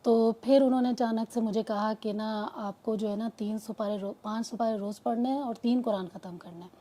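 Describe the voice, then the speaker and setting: Woman rambling through her own story, kinda high but mellow voice, keeps restarting. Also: steady tone. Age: adult mother. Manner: earnest, rambling storytelling with many restarts and quoted dialogue. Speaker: client giving a testimonial. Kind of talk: personal testimony.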